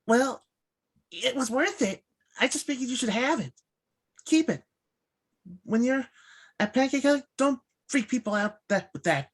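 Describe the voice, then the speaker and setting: A woman playing an awkward, eager young male horror-film fan in a screenplay table read, talking in a halting, rambling way. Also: a little high, expressive, slightly rough. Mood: awkward, deflated.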